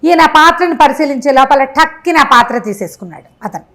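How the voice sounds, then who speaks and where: A woman telling a moral tale in an animated, conversational way, stressing things by repetition and acting out the dialogue. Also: high-pitched, fairly quick. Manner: expressive, acts out dialogue, emphatic repetition. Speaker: storyteller.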